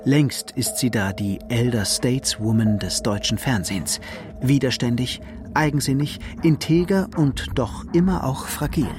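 A man narrating a television portrait in a measured, literary way. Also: mid-range voice, music in the background. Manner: measured, expressive, literary phrasing. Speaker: documentary narrator. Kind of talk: scripted narration.

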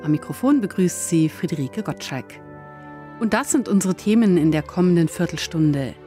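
A woman presenting a church radio program, announcing in a measured, formal way. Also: fairly low pitch, lively intonation, dark tone, soft background music.

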